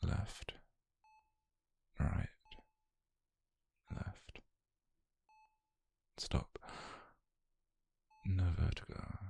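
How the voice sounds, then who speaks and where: A British man playing a detached, clinical scientist in a whispered ASMR roleplay, measured and softly controlling, murmuring notes on a captive subject. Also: fairly even intonation, heavily acted. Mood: cold, precise. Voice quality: breathy, gravelly low murmur.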